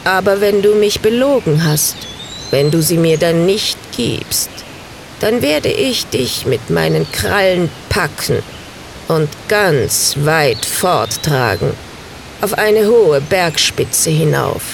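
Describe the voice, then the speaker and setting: A woman voicing a greedy, threatening male black bird in a storybook, slow and croaking. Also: on the low side, expressive, noisy background, heavily acted. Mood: menacing.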